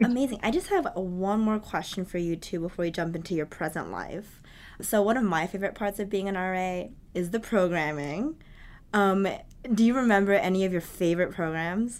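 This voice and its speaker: In a normal speaking voice and an American accent, a woman talks at a medium pitch and moderate pace with ordinary pitch variation, on a very clean recording with a silent background. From New Jersey. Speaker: student podcast co-host. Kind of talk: casual chat.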